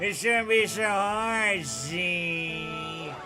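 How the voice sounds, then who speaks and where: Clear background noise beneath a put-on character voice. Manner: gruff, tough.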